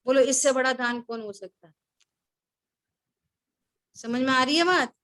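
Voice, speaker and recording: A woman's voice: high-pitched, a little slow, a bit bright. A woman teaching a scripture class, who keeps questioning her listeners and repeating key words.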